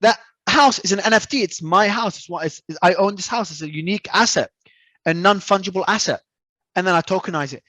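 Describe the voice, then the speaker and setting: A man from Australia, a guest talking in an animated, emphatic way and often repeating words as he restarts. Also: sits high, a little fast, no echo. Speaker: crypto entrepreneur guest. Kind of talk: casual interview talk.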